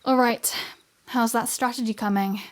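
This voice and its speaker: A woman's voice: on the high side, fairly even intonation, moderate pace, lightly acted. A woman playing a flirty, sardonic vampire in a scripted ASMR roleplay audio drama, with breezy, sarcastic banter. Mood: wry, breezy.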